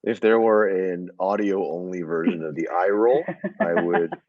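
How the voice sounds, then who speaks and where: A man's voice: low voice, expressive, unhurried, creaky, dry recording, dull audio. A man hosting a podcast, asking questions in a dry, teasing way. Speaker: podcast host. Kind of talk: casual podcast conversation.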